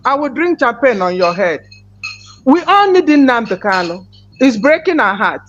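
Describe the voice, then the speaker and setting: A woman's voice: fairly high pitch, sing-song, moderate pace. Combative woman host, lo-fi. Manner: confrontational, hectoring, repeating questions. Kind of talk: heated call-in commentary. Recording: dull lo-fi, faint noise.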